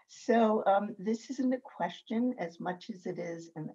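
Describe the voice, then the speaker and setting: Speaking at a very slow pace, a woman has a dark, mellow tone, a somewhat breathy sound and lively intonation. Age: 70s. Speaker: longtime meditator. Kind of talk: personal testimony. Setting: video call.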